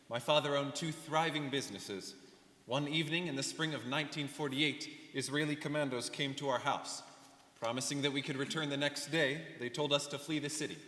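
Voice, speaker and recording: A man's voice: mid-range voice, brisk, a bit bright, close to an everyday voice. A young man, a student actor, playing an earnest refugee recounting his life in a rehearsed reading. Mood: earnest recollection. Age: young adult. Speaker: student performer in a dramatic reading. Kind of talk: rehearsed staged monologue. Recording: echoey hall, live stage reading.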